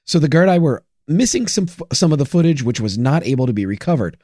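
A man co-hosting a true crime podcast, laying out case details in a measured, dryly wry way. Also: on the high side, big pitch swings, mellow, no echo, clean studio sound. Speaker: podcast co-host.

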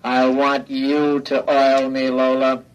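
A plodding mechanical robot, voiced by a man, drawling every word in a dead-flat monotone. He is obedient, with no feeling behind the voice. The dull old radio recording carries a faint hiss. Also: mid-range voice, takes it slowly, natural voice. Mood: insistent. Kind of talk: 1940s radio acting.

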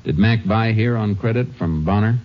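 An actor playing a calm, methodical American lawman, terse and understated in an old radio western. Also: fairly low pitch, soft background music, close to an everyday voice. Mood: probing. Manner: understated, terse, measured questioning. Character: calm, laconic, methodical Texas Ranger investigator. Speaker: lead character. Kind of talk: 1950s western radio drama acting and narration. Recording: muffled noisy old radio broadcast.

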